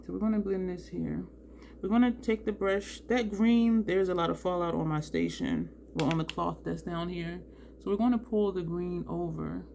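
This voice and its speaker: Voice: mid-range voice, vocal fry, a little mellow, slight background noise. A beauty vlogger chatting casually through a makeup tutorial, thinking aloud as they work, sounding congested with audible breaths between phrases. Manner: rambling, thinks aloud while working.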